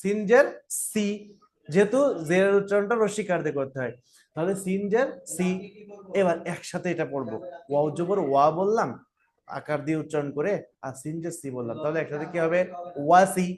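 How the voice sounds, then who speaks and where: A man's voice: a little high, brisk. A man teaching Quran reading, leading a class through letter sounds with patient call-and-repeat drills and questions he answers himself. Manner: patient, repetitive, asks and answers own questions.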